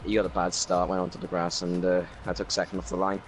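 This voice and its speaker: A Welsh man talking through his race as a league driver in a casual interview, rambling with many fillers and speeding up when excited. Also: sits low, fast talker, slight background noise. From Wales.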